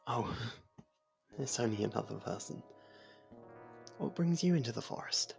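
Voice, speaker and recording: A performer voicing a sly, possessive faerie royal in an ASMR fantasy roleplay, coy and deliberate, drifting toward whispers. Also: medium pitch, expressive, creaky, a little mellow, faint music behind. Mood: curious, playful.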